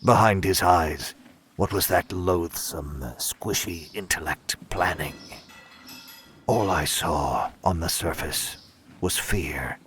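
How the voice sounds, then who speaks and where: An actor playing a cold, controlling inhuman interrogator in an audio drama, speaking in a measured, formal and deliberate way. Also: male voice, low-pitched, a bit bright, slight background noise. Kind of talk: audio drama with first-person narration.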